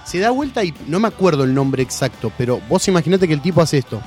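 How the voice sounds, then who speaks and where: A man's voice: a little high, fast talker, faint music behind. A young man with an Argentine Rioplatense accent, a radio host telling a funny story in a casual, laughing way full of slang. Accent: Argentine Rioplatense Spanish. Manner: animated, laughing, heavy slang. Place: radio studio.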